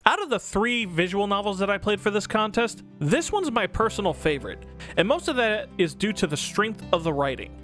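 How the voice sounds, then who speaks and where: Guy doing a jokey game review, highish voice, swings up and down a lot, music underneath. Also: very animated, brisk, a bit bright. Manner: casual, sweary, exaggerated emphasis. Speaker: video host and game reviewer. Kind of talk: scripted comedic review narration. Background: background music.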